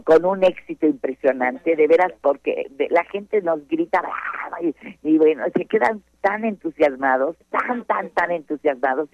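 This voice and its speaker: A Mexican woman, a stage actress, chatting in an interview, effusive and full of repeated words and quick "no, no, no" asides. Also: low voice, no room sound, muffled recording. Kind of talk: casual interview chat.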